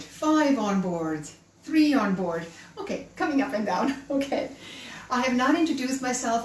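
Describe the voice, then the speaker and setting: A middle-aged woman from Canada and Chile hosting a live cooking stream, chatty and welcoming as she speaks straight to her viewers. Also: mid-range voice. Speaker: cooking show host. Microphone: camera held by her son at a distance. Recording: roomy and distant with faint hum.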